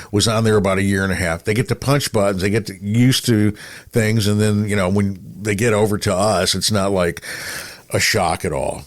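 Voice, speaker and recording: A middle-aged American man chatting casually as a podcast host, with a rambling, wry, self-deprecating manner. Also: fairly low pitch. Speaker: radio broadcaster, podcast co-host. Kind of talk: casual chat.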